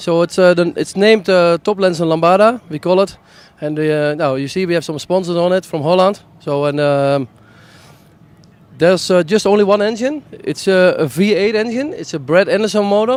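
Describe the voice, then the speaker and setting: Speaking in a Dutch accent, a man uses a high pitch with ordinary pitch variation at a moderate pace. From Netherlands. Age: 40s. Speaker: tractor puller. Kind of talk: interview. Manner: halting.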